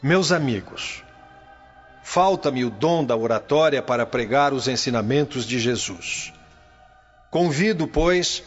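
Slow, solemn early Christian preacher. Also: male voice, medium pitch, slightly rough. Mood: humble. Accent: Brazilian. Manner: solemn, measured, declamatory. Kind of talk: Brazilian radio drama acting, preaching. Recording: dull lo-fi audio with music behind.

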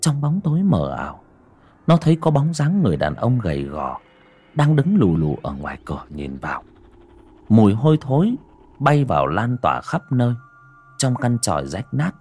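A man narrates a horror story in a husky voice. His pitch rises and falls expressively, sinking to a hushed, slow delivery for suspense. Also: very animated, faint music behind.

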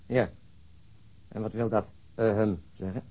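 A man's voice: on the low side, fairly even intonation, unhurried, dark tone. An actor playing a weary, sarcastic male police detective who needles his colleagues in a Dutch radio crime drama. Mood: matter-of-fact. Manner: sardonic, mocking.

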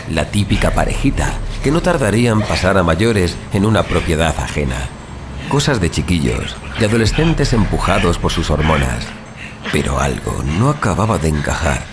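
A very low, expressive male voice acted by a man tells a horror tale as a sadistic young vigilante. He savors his words with sardonic, dark glee and a literary turn, over clear background music. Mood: brooding, menacing. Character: small, scrawny young immortal vigilante killer, sadistic, darkly gleeful. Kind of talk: scripted first-person horror audio drama narration.

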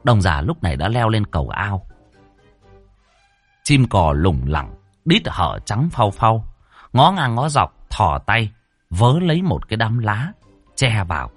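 A man narrating a comic folk-style tale in a lively way. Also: lowish voice, slow, pauses often, breathy edge, dry recording, faint music behind. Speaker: storyteller.

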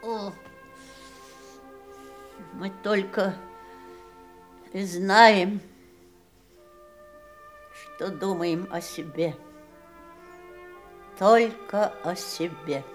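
An actress playing a bitter, wounded middle-aged wife in a theatrical audio drama, with emphatic, anguished delivery. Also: female voice, medium pitch, very slow, pauses often, soft background music. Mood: despairing. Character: bitter, wounded ageing wife of a dying famous man. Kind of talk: theatrical Russian radio drama acting.

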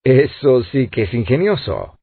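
Give me a fervent hardy sailor, read by a man, husky, with a tinny phone-like sound. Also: mid-range voice, very animated, measured pace, dry recording, heavily acted. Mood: plain. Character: hardy middle-aged sailor, ardent and grateful.

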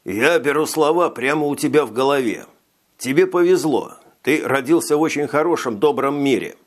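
A man doing a frail, slow-spoken alien telepath. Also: a little high, lively intonation. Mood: wistful. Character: small frail alien male telepath, jittery.

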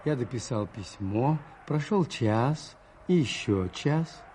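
An actor in a radio play, playing a mild Catholic priest who is polite, measured and gently insistent. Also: male voice, mid-range voice, expressive, slight background noise. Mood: pensive, compassionate. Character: mild, politely persistent Catholic priest, quietly observant and compassionate. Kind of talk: radio play acting and first-person narration in Russian.

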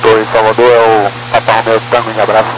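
A man's voice: lowish voice, monotone, fast talker. A man with a Brazilian accent, a pilot speaking over a cockpit headset radio in terse, clipped radio phraseology. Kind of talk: air traffic radio exchange. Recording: noisy aviation radio transmission.

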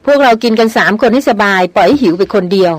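A woman's voice: on the high side, expressive, quick pace, no room sound. A playful, teasing man, read by a woman narrator in an audiobook. He mocks and coaxes with good humor. The read is dry and close. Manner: teasing, mocking. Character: teasing male jungle companion, playful joker.

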